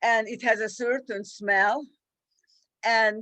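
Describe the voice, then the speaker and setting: In a Hungarian accent, a woman speaks at a fairly high pitch with a dry, close sound and no echo. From Hungary. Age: 70s. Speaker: holocaust survivor. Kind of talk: testimony.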